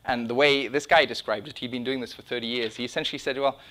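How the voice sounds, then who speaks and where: A middle-aged man presents to a room in an informal, conversational way. His voice sits at a medium pitch, and he often breaks off and rephrases as he explains his work. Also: steady tone, fast talker, sharp tone. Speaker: speaker presenting his own drone project. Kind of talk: informal conference-style talk with slides. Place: indoor meeting room or small lecture room.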